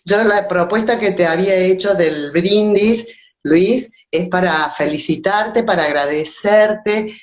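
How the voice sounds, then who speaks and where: A woman's voice: mid-range voice, unhurried. A woman with a Cordobese Argentine accent, chatting casually as an interview guest and laughing easily as she talks. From Córdoba, Argentina. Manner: laughs easily while talking. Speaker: guest, theatre actress. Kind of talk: casual chat. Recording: roomy, echoey sound.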